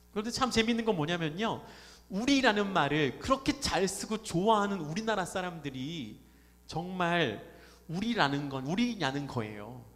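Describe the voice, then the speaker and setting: Lively pastor in an echoing church. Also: male voice, sits high. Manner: conversational, asks the congregation questions. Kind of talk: Sunday sermon. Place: church sanctuary. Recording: reverberant church hall.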